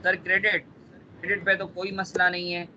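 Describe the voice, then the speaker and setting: A man's voice: high-pitched, completely flat delivery, moderate pace, pushed and bright, lo-fi sound, a little hiss or hum. A male accounting teacher with a sore throat, lecturing a class in a teasing way and drilling students with repeated questions.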